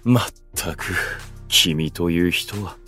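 A theatrical male aesthete in a radio drama, fairly low and slow in speech. He is flowery and pompous, savoring cryptic grand phrases with composure. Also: pushed and bright, soft background music, heavily acted. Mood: solemn, poetic. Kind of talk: Japanese voice drama acting.

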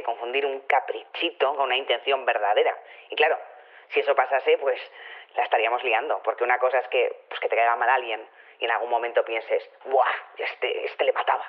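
Chatty sure-of-himself guy official on a phone line, thin tinny sound, rambles casually, sci-fi radio drama. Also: medium pitch. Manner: rambling, colloquial, hedging with tag questions. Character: chatty, casually self-assured male official of futuristic community. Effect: telephone filter. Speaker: interviewed community official.

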